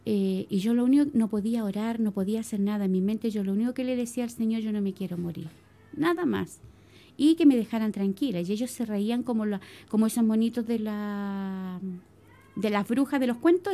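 A middle-aged woman with a Chilean accent giving a spoken religious testimony to a congregation, telling her story in an animated way and calling her listeners brothers. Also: mid-range voice, fairly quick. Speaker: church member giving testimony.

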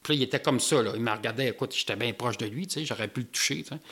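A man with a Québécois French accent, telling a personal story in an animated way with local slang. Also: medium pitch, rapid-fire, breathy edge.

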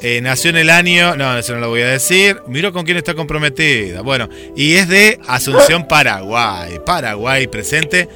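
Bright-voiced radio co-host. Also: male voice, medium pitch, expressive, moderate pace, hardly any pauses, soft background music. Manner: reads listener comments aloud, playful. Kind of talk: casual radio chat.

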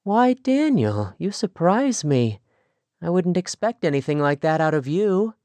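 A man's voice: a little high, very animated, a little slow, a little mellow, dry recording, voice pushed up. A man voicing an eager young Amish woman. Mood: firm. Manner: earnest, pleading, eager. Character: spirited young Amish woman, restless and idealistic.

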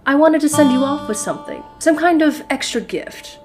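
An actress playing an insistent, generous character in an audio drama. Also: female voice, sits high, lively intonation, moderate pace, darkish tone, faint music behind. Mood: eager, coaxing. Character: insistent, generous gift-giver seeing someone off.

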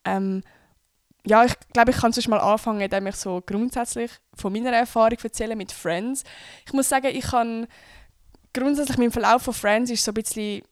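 A woman's voice: on the high side, steady tone, normal speed, clean tone, no room sound, studio quality. A young woman from Switzerland with a Swiss accent, hosting a podcast in a chatty, casual way, full of fillers and English slang words. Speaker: podcast host.

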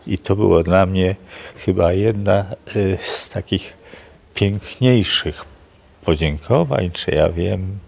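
An older man, a prison chaplain, telling stories in an unhurried, reflective way in a gravelly, husky voice. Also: low voice, a little mellow. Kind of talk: storytelling in a radio interview.

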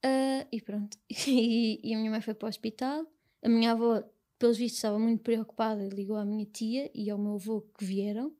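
A young woman with a European Portuguese accent, speaking as an interview guest in a soft, halting, reflective way. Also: a little high, little pitch movement. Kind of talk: personal conversation.

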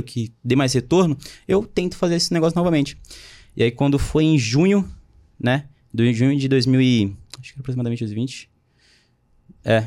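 Fast-talking young man telling his story. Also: mid-range voice, a little mellow. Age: 20s. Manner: slangy storytelling, quotes others' words. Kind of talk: casual chat.

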